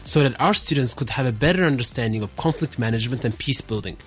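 A man's voice: medium pitch, animated, quick pace, soft background music. A young man from Turkey, a student guest on a talk show, explaining his school's peace program in fluent, earnest sentences. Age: young adult. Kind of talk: studio talk show interview.

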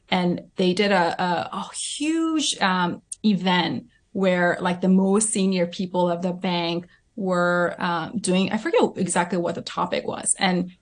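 A woman from Southern California, in her thirties, answering interview questions as a coach, reflective and often adding "right?" to her points. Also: fairly low pitch. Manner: reflective, frequent "right?" tags and fillers.

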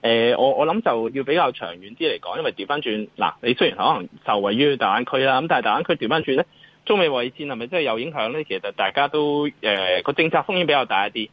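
A man's voice: mid-range voice, expressive, fast talker, no room sound, lo-fi sound. A man with a Hong Kong Cantonese accent giving off-the-cuff market commentary as an analyst, in a hesitant way that circles back over phrases.

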